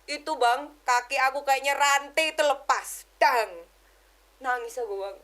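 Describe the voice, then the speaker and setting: A woman giving an emotional personal testimony as a podcast guest, telling it in an animated way and keeping the host close in the talk. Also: sits high, measured pace. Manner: animated storytelling, keeps addressing the host as brother; drops English words into her speech.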